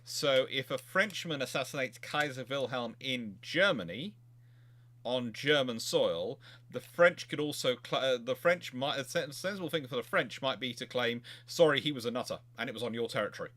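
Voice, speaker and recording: Man with a bright, halting delivery. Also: medium pitch, expressive. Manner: halting, repeats and rephrases as he explains. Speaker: host answering viewer questions. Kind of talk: casual history discussion.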